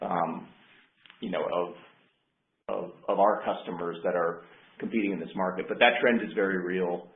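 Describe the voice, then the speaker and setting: A man speaking as a company executive, answering questions on an earnings call in a measured, careful way. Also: deep voice. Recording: roomy, dull conference line.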